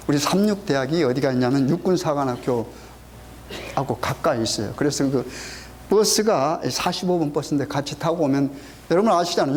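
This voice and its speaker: A middle-aged male pastor preaches a sermon in a church sanctuary, his voice sitting on the high side against slight background noise. He quizzes the congregation with frequent questions and emphatic repetition, in a call-and-response style.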